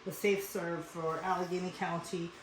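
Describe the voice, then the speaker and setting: Her voice is lowish and level, at normal speed, as she hosts an easygoing cooking show in her kitchen, rambling and greeting viewers as folks. Born in South Korea, she was raised in Western Pennsylvania. The room sounds echoey, with a little faint noise.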